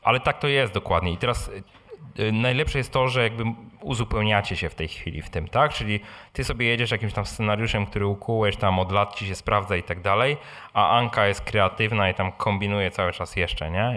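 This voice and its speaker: A man's voice: fairly low pitch, fairly quick, fairly bright tone. A man hosting a live question-and-answer session, talking in a colloquial, direct and informal way. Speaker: host and blogger answering audience questions. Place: live meeting in front of an audience.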